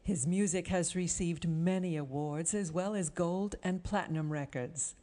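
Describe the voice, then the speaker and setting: A woman hosting an interview show, speaking in a measured, articulate presenter's manner. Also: fairly low pitch, mellow. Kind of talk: scripted introduction and interview.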